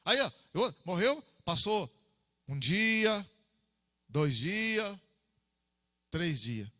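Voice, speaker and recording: A man's voice: sits high, very animated, drawn-out words, sharp tone, no room sound, big-room sound. A man with a Brazilian Portuguese accent, teaching a Bible study as an informal sermon, talking conversationally, repeating himself and calling for amens. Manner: conversational, repeats himself, asks the listeners for "amém".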